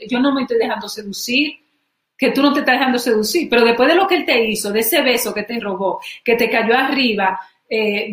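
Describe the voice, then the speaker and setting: A woman therapist who talks in a thoughtful, halting way, full of restarts and fillers. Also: on the high side, fairly bright tone. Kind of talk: casual discussion. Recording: echoey room.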